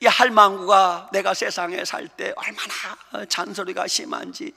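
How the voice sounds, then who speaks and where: Pastor doing a grumpy old man, indignant, scolding, high bright voice, long hall reverb. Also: little pitch movement, unhurried, gravelly, full character voice. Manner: scolding, exclaiming, rising to shouts.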